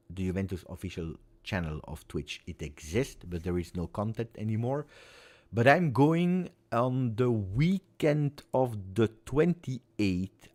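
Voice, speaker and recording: A man in his forties with a very low, deep voice talks in English, which is not his first language. He chats casually with his viewers, rambling, circling back and repeating phrases with earnest sincerity. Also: dark tone. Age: 40s. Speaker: fan channel host. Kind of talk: casual live chat with viewers.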